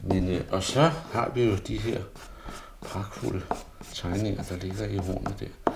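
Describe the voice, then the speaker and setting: Artist, male, low gravelly voice, rambles and mutters to himself while drawing. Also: fairly even intonation, noisy background. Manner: rambling, self-murmuring, often drops to a near mutter. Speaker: artist demonstrating pastel drawing. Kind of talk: thinking aloud while drawing.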